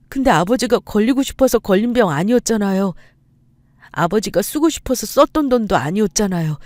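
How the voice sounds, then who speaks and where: A woman's voice: mid-range voice, darkish tone, breathy edge, no room sound. A woman voicing a grown son, a doctor, pleading tearfully with his dead father in a story.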